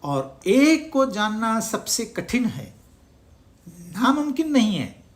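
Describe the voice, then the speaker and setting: Spiritual teacher, unhurried, lively melody, rhetorical questions, scripture talk. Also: medium pitch. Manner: asks the listeners rhetorical questions; mixes in English words. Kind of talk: Hindi discourse on scripture.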